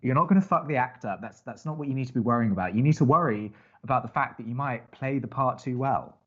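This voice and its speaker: A man's voice: medium pitch, expressive, fast talker, husky, highs cut off. An actor playing a skeptical, guarded young man who co-hosts college radio in an audio drama, with a hesitant, wry way of talking. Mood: earnest, cautioning. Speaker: college radio co-host and advice-giver. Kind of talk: naturalistic audio drama acting.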